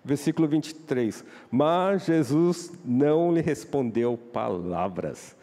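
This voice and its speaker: Male Brazilian preacher, lively and animated pitch, church reverb. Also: takes it slowly. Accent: Brazilian Portuguese. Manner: questions the congregation, acts out quoted voices. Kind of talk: sermon. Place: church hall.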